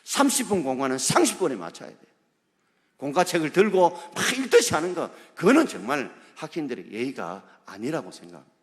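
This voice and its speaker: Animated Korean pastor preaching in a reverberant church. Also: male voice, on the high side, fairly quick. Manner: emphatic preaching with rhetorical questions to the congregation. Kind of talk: sermon. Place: church sanctuary. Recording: long hall reverb.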